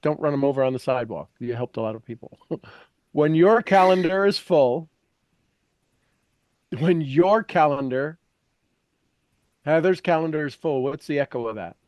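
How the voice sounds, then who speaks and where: A man's voice: on the high side, expressive, moderate pace, long pauses, darkish tone, no room sound. A man leading a coaching class in an informal, blunt and prodding way, with folksy turns of phrase. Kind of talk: informal coaching talk mixed with reading aloud from a book.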